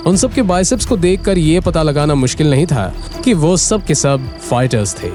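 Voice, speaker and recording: A male narrator telling an audio drama with dramatic flair. His voice is a bit high and very lively, rising and falling with the story. Loud music plays under the narration. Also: moderate pace.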